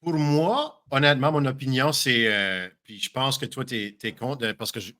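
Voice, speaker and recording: Man, podcast guest, bright tone, franglais, hesitant. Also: medium pitch, normal speed. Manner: mixes English into French, self-conscious, hesitant. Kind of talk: casual podcast chat.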